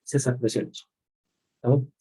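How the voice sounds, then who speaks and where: A man's voice: medium pitch, little pitch movement, fairly quick, warm tone, slightly rough. A male chemistry lecturer, explaining step by step in an online class and often checking in with his students. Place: remote class.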